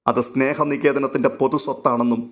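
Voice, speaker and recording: A man's voice: medium pitch, little pitch movement, brisk, a bit bright. Man narrating a serial novel.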